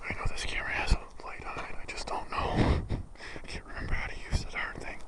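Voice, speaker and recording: Whispering at a fairly quick pace over noticeable background noise. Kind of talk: ASMR walk vlog. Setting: outdoors. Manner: whispered.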